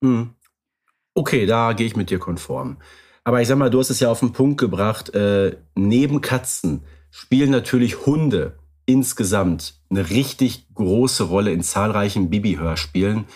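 A man co-hosting a podcast, chatting casually and wryly about radio plays, with lively storytelling and some fillers. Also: fairly low pitch, moderate pace, husky. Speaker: podcast co-host.

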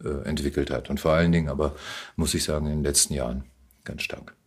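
Male, German accent, very low husky voice, conversational interview guest who gropes for phrasing and repeats words. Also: level tone, fast talker. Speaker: podcast guest, actor and voice actor.

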